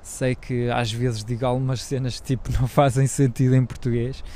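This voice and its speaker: A man's voice: mid-range voice, level tone, moderate pace, warm tone, slight background noise. A man hosting his own podcast in a casual, rambling monologue, hesitant and full of fillers, speaking Portuguese with a French accent. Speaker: podcast host.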